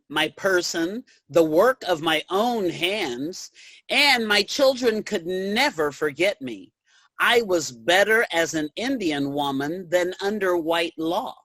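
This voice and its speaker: Slow, proud Native American woman voiced by an actress. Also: lowish voice, fairly bright tone, no echo, exaggerated voice. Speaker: reader's theater performer. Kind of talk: dramatic staged reading.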